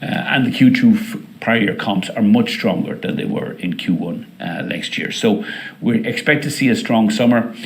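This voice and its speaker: Speaking as an airline executive, this man walks through company results from a partly scripted text. He pauses often and sounds deliberate and hesitant, with a fairly low pitch.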